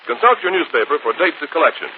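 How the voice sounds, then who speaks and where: A man's voice: a little high, very animated, fast. A man announcing for 1940s radio, hearty and persuasive. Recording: tinny old radio broadcast, faint hiss.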